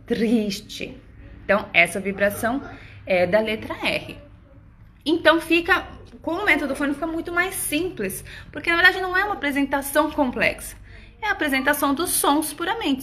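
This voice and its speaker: A woman's voice: on the high side, sharp tone. A woman, an educator, patiently explaining early reading to parents in a casual, reassuring tone. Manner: reassuring, patient, says "né?" often. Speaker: homeschooling educator. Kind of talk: casual teaching talk to parents.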